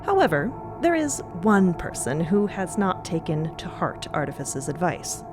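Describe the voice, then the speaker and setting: A woman's voice: fairly low pitch, very animated, a little slow. A woman narrating a scripted drama podcast in a theatrical storytelling style. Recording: loud music under the voice. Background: music.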